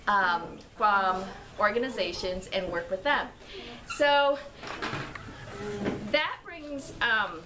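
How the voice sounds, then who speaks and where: A woman's voice: on the high side, background noise. A woman in her forties, a farm owner, talking casually to the camera outdoors with many ums and frequent laughs. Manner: friendly, chatty, many ums, laughs often. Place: outdoors by an alpaca pen. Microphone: camera at close range.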